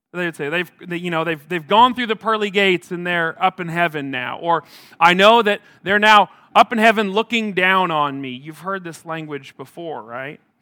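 In a dry, close recording with no echo, a man with a Midwestern US accent talks at a high pitch, his pitch varying normally while his loudness swings widely. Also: moderate pace. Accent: General American, Midwestern. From US Midwest (north central Nebraska). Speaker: pastor. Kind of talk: sermon.

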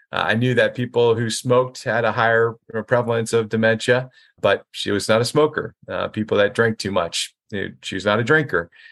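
Over a quiet background, an ordinary speaking voice with an American accent moves at a fairly quick pace, with hardly any pauses and fairly even intonation. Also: man, medium pitch for a man. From US Pacific Northwest, Oregon. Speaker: chief executive of senior care organization. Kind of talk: interview.

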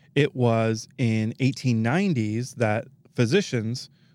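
With a Western US accent, a man speaks at a medium pitch in a very clean recording with a silent background. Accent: Western American. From Reno, Nevada (born in Iran). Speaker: forensic pathologist. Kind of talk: educational podcast talk. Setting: studio.

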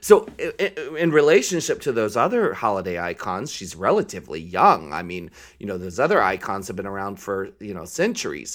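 On a very clean recording with a silent background, a man speaks at a fairly quick pace with hardly any pauses. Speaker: podcast co-host. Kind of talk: casual chat. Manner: animated.

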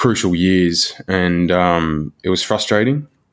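A man with a very deep, low pitch talks fairly slowly. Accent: Australian. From Australia, small country town. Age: 30s. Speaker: physiotherapist. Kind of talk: casual interview.

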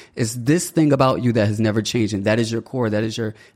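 The speech shows ordinary pitch variation in a very clean recording with a silent background. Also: man. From US South, southern Virginia (Portsmouth, Chesapeake). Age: 20s. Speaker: podcast host. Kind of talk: personal monologue.

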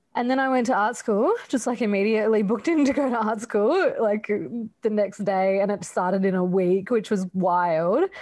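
In an Australian accent, a woman with a fairly high pitch speaks at a moderate pace with ordinary pitch variation, very even loudness and hardly any pauses against a quiet background. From Tasmania, Australia. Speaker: artist and art school director. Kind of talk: casual interview.

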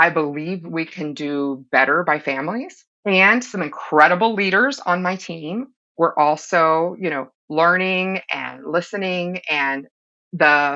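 In an American accent, a woman with a plain, everyday voice speaks at a fairly low pitch with ordinary pitch variation. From Florida (Orlando). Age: 40s. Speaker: former non-profit executive, entrepreneur. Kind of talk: interview conversation.

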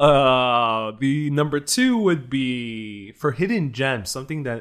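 In a very clean recording with a silent background, a man with an American accent speaks at a very slow pace, his medium pitch showing ordinary pitch variation. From New York City, Jackson Heights, Queens. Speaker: history video creator. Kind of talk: casual interview.

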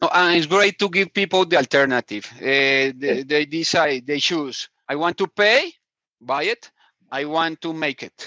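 A man with a Colombian accent, bright and sharp in tone, fairly high in pitch with ordinary pitch variation, at a fairly slow pace, in a dry, close sound with no echo against a quiet background. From Colombia (Medellin). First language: Spanish. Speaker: assistive technology inventor. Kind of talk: casual interview with demo. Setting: video call.

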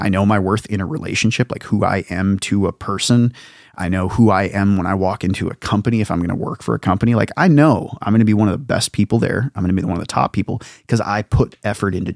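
A man with a normal speaking voice and fairly low pitch talks at a fairly quick pace in a dry, close sound with no echo, on a very clean recording with a silent background. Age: 30s. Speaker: electrician and podcast host. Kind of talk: casual solo monologue.

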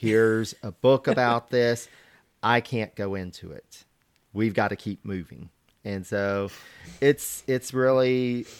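An ordinary speaking voice moves at a fairly slow pace with fairly even intonation on a very clean recording with a silent background. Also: man. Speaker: history podcast host. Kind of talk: casual chat.

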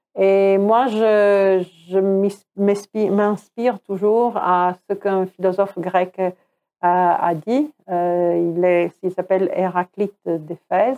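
A woman speaks very slowly at a medium pitch, her loudness very even and her intonation fairly even. Music plays in the background, and the sound is dry and close with no echo. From northern Italy, Turin. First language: Italian (speaking French). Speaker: finance director. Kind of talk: interview. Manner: halting, frequent repetitions.

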